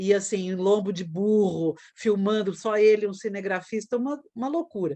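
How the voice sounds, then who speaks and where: A woman speaks fairly slowly at a medium pitch. Her tone is dark and mellow, her intonation fairly even. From Brazil, São Paulo. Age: 60s. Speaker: actress. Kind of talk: interview. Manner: halting, with many repetitions and fillers.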